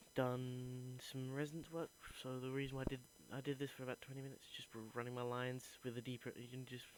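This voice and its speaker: In a British accent, a man talks at a very fast pace with a medium pitch and monotone, flat intonation. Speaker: acting student. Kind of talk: reflective video diary. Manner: halting, many false starts.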